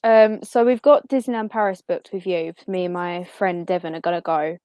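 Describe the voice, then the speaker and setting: A woman's voice: fairly low pitch, fairly even intonation, normal speed, a little mellow, dry recording. Chatty young woman, dry close sound. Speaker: interview guest. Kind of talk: casual chat.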